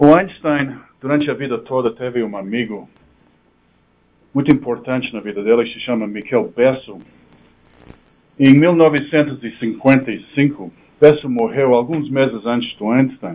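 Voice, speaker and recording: A man's medium-pitched voice at a moderate pace, with ordinary pitch variation, long and frequent pauses, and big swings in loudness. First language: not Portuguese (speaking Portuguese). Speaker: physics and philosophy professor. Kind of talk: lecture.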